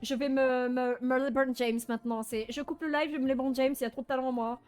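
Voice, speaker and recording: Woman, high-pitched voice, live game streamer, casual commentary, animated and teasing, music in the background. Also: fast, clear, resonant tone. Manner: playful, teasing, self-mocking boasting; animated, frequent laughing and exclaiming.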